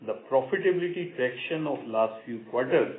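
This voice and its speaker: Male bank executive, Indian accent, formal measured read of prepared results, thin phone-line audio with room echo. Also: mid-range voice, lively intonation. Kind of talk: formal prepared earnings-call remarks. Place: conference call line. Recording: roomy, narrow phone-line sound.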